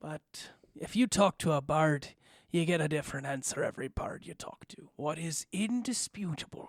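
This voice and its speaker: A man puts on a raspy, rumbling character voice, fairly high in pitch, with big swings in loudness. He goes at a moderate pace, and the sound is dry and close with no echo. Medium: actual play. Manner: terse, rough-grammared, grumbling.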